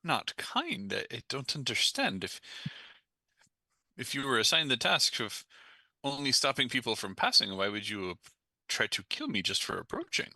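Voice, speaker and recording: A man's voice: medium pitch, huge pitch swings, moderate pace, sharp tone, no room sound. A man playing a tabletop role-playing game, talking casually in character.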